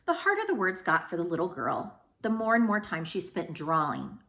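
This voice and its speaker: A woman speaking as a school librarian who reads storybooks aloud to children in an expressive way. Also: fairly low pitch, normal speed, creaky, reverberant. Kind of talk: storybook read-aloud with informal introduction.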